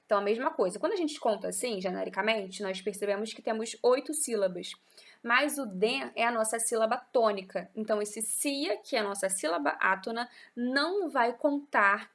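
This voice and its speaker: A Brazilian Portuguese-accented woman teaches a lesson in a slightly high voice. She explains step by step and keeps checking that her students are following. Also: fairly bright tone. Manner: patient and explanatory, with frequent check-in tags. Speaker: literature teacher. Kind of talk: online class lecture.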